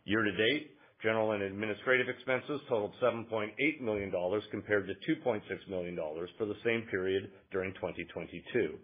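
A man in the role of a company finance executive reads a scripted financial report in a formal, measured way. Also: on the low side, slightly rough. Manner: formal, measured reading of figures. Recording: muffled, narrow phone-line conference audio.

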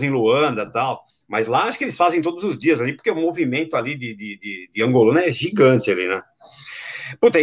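A man from Brazil, hosting a podcast in a rambling, casual way full of fillers and slang. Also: on the high side. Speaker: podcast host.

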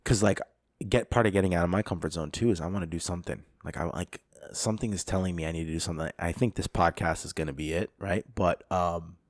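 Deep-voiced thirty-year-old guy, bro-ish podcast chat. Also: fast, no room sound, studio quality. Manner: animated, emphatic, swears freely, says "bro" and "dude". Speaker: podcast co-host. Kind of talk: casual chat.

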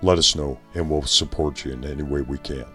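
A man giving an expressive, dramatic reading of a storybook poem, with theatrical emphasis. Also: very deep voice, a little fast, distant mic, soft background music. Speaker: poetry reader.

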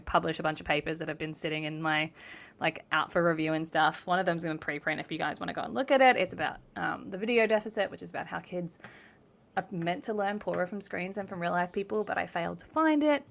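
A woman's voice: lowish voice, fast talker, creaky. A woman, co-hosting a podcast in a rambling, chatty way and laughing often. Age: late 20s. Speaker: podcast co-host, developmental psychology academic. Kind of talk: casual chat.

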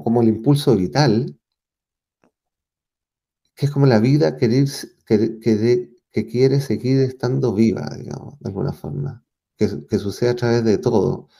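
A Chilean man answers interview questions in a reflective, searching way, circling back and restarting his sentences as he thinks. His voice is mellow and dark, with a gravelly rasp underneath. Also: mid-range voice. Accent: Chilean Spanish. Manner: thoughtful, searching for words, frequent restarts and fillers. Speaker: interview guest.

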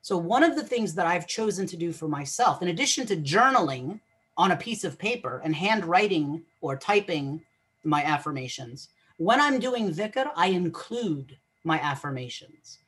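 Man, husky voice, earnest podcast guest, explains patiently, repeats himself mid-thought. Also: sits high, lively intonation, moderate pace, a bit bright. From Egyptian family, raised English-speaking. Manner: earnest, explanatory, repeats words while thinking. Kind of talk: podcast interview.

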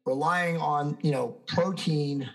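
A man's voice: fairly high pitch, fairly even intonation, slow pace, vocal fry, low-quality recording. A man in his fifties, a fitness expert guest answering interview questions in an emphatic, self-assured, lecturing way. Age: 50s.

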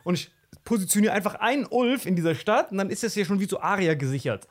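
Young male podcast co-host, animated slangy storyteller, slightly high voice. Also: fast. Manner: animated storytelling, acts out quoted people, slangy. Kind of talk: casual podcast chat.

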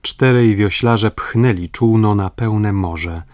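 A man narrating an adventure novel as an audiobook, in steady, measured storytelling. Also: on the low side, no echo, studio quality.

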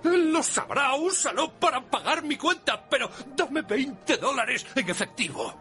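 A foul-mouthed wheedling gambler. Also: male voice, very high voice, lively intonation, unhurried, bright, forceful tone, faint music behind, full character voice. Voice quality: profane, wheedling, laughing. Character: foul-mouthed indebted gambler begging credit. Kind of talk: dubbed TV drama.

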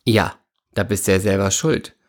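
A man co-hosting a casual chat podcast, telling an animated, teasing story with acted-out dialogue. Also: low voice, normal speed. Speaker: podcast co-host.

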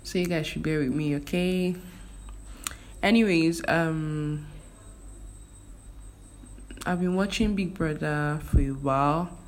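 A young Igbo-speaking woman from Nigeria talks casually on her vlog, her Nigerian-accented speech full of fillers and restarts. Her voice is low-pitched, and she goes slowly and pauses often. Faint background noise is present.

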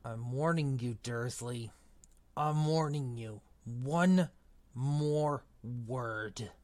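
A man playing a big, gruff but kindly half-giant groundskeeper who talks in blunt, folksy, ungrammatical speech. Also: medium pitch, very slow, a little mellow, dry recording. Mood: warning. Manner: rough folksy grammar, blunt. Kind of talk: audiobook character reading.

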